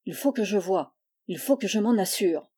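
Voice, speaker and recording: A miserly, cruel old woman who barks and scolds in a sharp, loud voice, put on by a woman reading a storybook. Her tone stays soft and mellow even while she rages. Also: mid-range voice, normal speed, husky. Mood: fretful scheming. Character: stingy, cruel older woman cousin.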